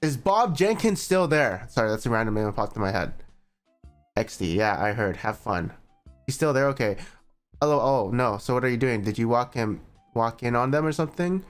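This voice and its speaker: A man's voice: mid-range voice, a little fast, smooth, soft background music. A man streaming a reaction, reading a written statement aloud and skipping parts with "blah, blah". He breaks off now and then for sarcastic remarks. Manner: sarcastic asides between passages.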